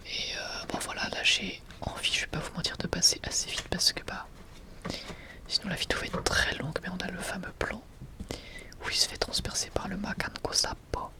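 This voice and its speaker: An ASMR creator speaking casually in a breathy whisper, rambling and correcting themselves like a fan sharing a collection. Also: mid-range voice, steady tone, a little fast. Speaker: ASMR video creator presenting a manga collection.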